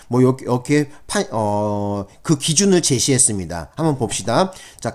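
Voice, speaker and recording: A man's voice: a little high, a little mellow. A middle-aged man lecturing on criminal law for exam candidates in a conversational way, with frequent fillers and checks for agreement.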